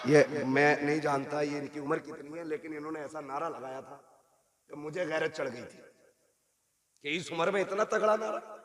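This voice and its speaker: A man's voice: a little high, normal speed, a bit bright. A male preacher giving a sermon on stage into a microphone, telling stories and coaxing the crowd to call back. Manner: storytelling that keeps urging the crowd to call out. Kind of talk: sermon at a live religious gathering. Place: stage at a large gathering with a PA system.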